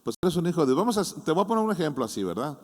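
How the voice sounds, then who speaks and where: Mexican pastor preaching in a reverberant hall. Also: male voice, a little high, sing-song, rapid-fire, a little mellow. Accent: Mexican Spanish. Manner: conversational preaching, acts out congregants' doubts with humor. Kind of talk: sermon. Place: church hall.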